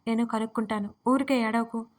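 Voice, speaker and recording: A woman voicing a calm, reassuring young man who speaks firmly and seriously in a romance audio story. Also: on the high side, a little fast, close to an everyday voice. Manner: firm and serious.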